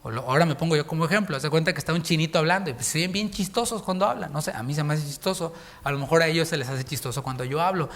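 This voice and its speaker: Mexican pastor, man, fairly high voice, preaches to his congregation, reads verses slowly and breaks them down with jokes. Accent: Mexican Spanish. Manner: reads scripture slowly, then explains in lively joking asides. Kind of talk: sermon. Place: church congregation.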